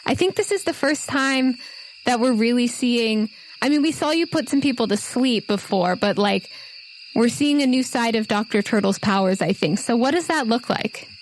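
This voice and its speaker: A woman game master improvising narration for a tabletop role-playing game in a conversational, halting, descriptive way. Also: fairly high pitch, lively intonation, rough recording. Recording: faint noise with night insects and owls.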